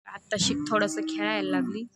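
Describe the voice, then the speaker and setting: A woman's voice: medium pitch, expressive, moderate pace, vocal fry. A woman chatting casually in a family vlog, coaxing her small children. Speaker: vlogger mother.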